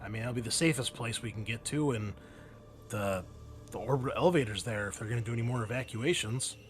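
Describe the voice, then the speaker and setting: A man acts out a cautious male marine in a tabletop roleplaying game. He argues urgently and haltingly, with insistence, in a mid-pitched voice over faint music. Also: lightly acted. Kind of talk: in-character roleplay dialogue.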